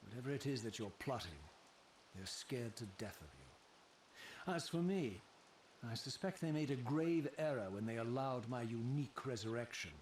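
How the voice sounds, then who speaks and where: An actor playing a proud, defiant undead wraith in a video game, with an eloquent, sardonic, theatrical delivery. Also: male voice, mid-range voice, expressive, normal speed, a little mellow, reverberant, far from the mic, a little hiss or hum, close to an everyday voice. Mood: scornful, defiant. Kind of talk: dramatic video game voice acting.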